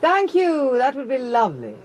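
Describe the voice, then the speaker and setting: A woman's voice: high voice, wildly swooping pitch, moderate pace, a little hiss or hum. An actress playing a genteel, lonely and insistent lady of the house in a radio horror play, with a hesitant, theatrical manner. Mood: brightly composed.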